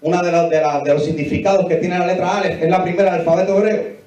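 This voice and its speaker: A man's voice: sits high, little pitch movement, fast, darkish tone, distant mic. A man in his forties preaching a Bible teaching sermon, emphatic and repetitive, often asking the congregation questions. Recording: echoey hall, voice picked up from afar.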